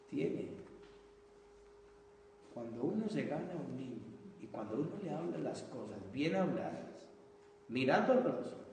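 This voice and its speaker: A man's voice: mid-range voice, darkish tone. Earnest pastor man in an echoey hall. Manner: earnest, conversational, calls listeners brother. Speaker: pastor teaching Sunday school teachers. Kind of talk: informal church teaching talk. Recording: echoey hall, distant mic, faint noise.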